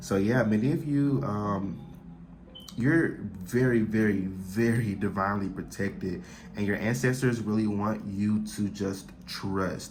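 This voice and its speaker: Someone with an American accent talks at a fairly slow pace with ordinary pitch variation and audible room echo. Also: man, fairly low pitch for a man. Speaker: tarot card reader. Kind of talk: tarot reading monologue. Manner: hesitant, many fillers.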